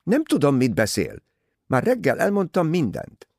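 A man's voice: on the high side, huge pitch swings, creaky, darkish tone, dry recording, clean studio sound, voice pushed up, exaggerated voice. A man voicing a defiant, nervy young woman in an audiobook, snapping with indignation. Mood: sharp, defensive.

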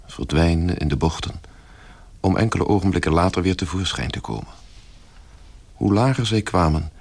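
A man narrating a radio drama from a script in a measured, literary manner. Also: sits low, breathy edge.

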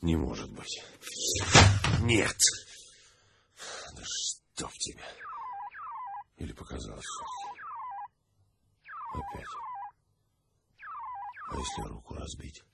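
An actor playing a gruff, distraught lone colonist stranded on Mars in a radio drama, muttering haltingly to himself. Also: male voice, very high-pitched, huge pitch swings, background noise, exaggerated voice. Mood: agitated. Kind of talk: Russian radio drama acting. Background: music.

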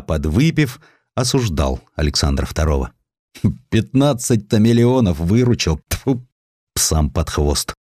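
A man reads history as dramatic audiobook narration. His voice is low and highly varied in melody, with deliberate theatrical pauses and a dry, close studio sound. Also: darkish tone, no echo.

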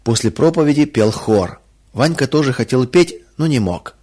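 A man narrating a Christian children's story in a calm, measured way. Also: mid-range voice.

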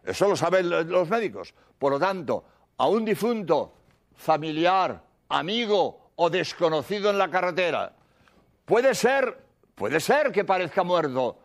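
A priest preaches in a high, strongly rising and falling voice. He repeats his points with earnest insistence and sinks to a soft murmur when he recites prayers. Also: very animated, a little slow. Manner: earnest, repetitive, drops to a hushed murmur for prayers. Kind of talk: sermon.

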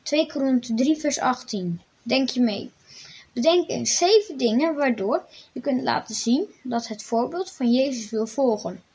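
A woman's voice: sits high, expressive, measured pace, darkish tone, husky. A woman reading a children's Bible story aloud and then speaking directly to children, in plain read-aloud narration. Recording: dull lo-fi recording.

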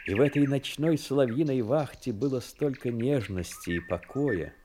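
A man narrating a Soviet war radio drama in a dramatic, measured literary storytelling manner. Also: mid-range voice, a little mellow, a little hiss or hum.

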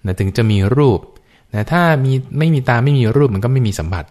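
A man who is a Buddhist monk, patiently explaining teachings on a radio Dhamma discussion, with many soft fillers. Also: medium pitch, animated, brisk. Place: radio studio.

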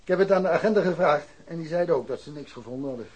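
An actor playing a blunt, dismissive police detective in a radio drama, offhand and colloquial. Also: male voice, on the high side, animated, very fast, darkish tone, husky, poor audio. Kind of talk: Dutch radio drama acting.

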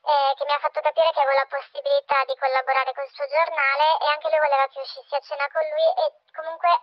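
Woman guest on a phone line, voice disguised by a pitch shifter, sits high and sounds muffled; steady, pausing storyteller. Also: faint music behind. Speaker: freelance journalist guest. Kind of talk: phone interview on radio. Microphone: telephone.

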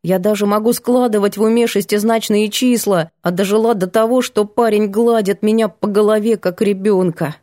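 A woman narrates a first-person novel with expressive, ironic storytelling. Her voice is mellow and mid-pitched. The recording is dry and close. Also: moderate pace, few pauses, no echo. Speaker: audiobook narrator.

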